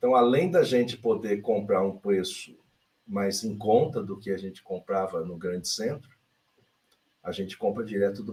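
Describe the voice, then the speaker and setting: A man talks at a moderate pace with lively intonation and a dark, mellow tone. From Brazil, Barretos (São Paulo interior). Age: 60s. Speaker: pastor. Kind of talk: TV interview.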